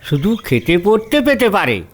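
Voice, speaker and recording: A man's voice: sits high, very animated, normal speed, slight background noise. A man playing a sullen, grasping younger brother in a story, with a pointed, grudging manner. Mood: challenging. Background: music.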